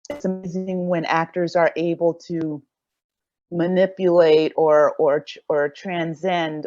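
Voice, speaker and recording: Low-pitched woman, dry slightly dull sound. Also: a little mellow, dry recording. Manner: reflective, halting, searching for words. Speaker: audio drama creator, panelist. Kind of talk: unscripted panel discussion.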